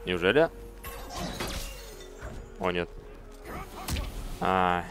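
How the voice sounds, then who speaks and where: Casting: male game streamer, 30s, lowish voice, casual muttered commentary, sweary, faint music behind. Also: animated, very slow. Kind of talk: casual live gameplay commentary.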